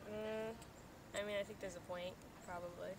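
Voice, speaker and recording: A young woman giving soft, measured answers on a campus lawn in a street interview. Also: medium pitch, fairly even intonation, a crowd in the background. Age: young adult.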